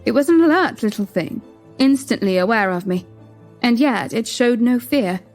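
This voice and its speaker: A woman narrating a palace story in first person, gentle and wistful, over soft music. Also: on the high side, animated, normal speed. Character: queen narrating her own story.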